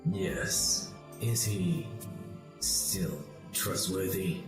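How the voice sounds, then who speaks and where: A man's voice: low-pitched, steady tone, extremely slow, over music. An actor playing a cold, scornful male villain in a fan-made adventure game, speaking in an imperious way. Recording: echoey, distant from the mic.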